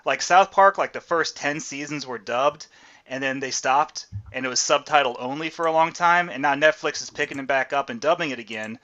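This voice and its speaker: Bright-voiced man, lo-fi sound. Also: fairly high pitch, a little fast. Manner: explains at length, swears casually. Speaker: podcast host. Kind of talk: casual chat. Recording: muffled lo-fi audio.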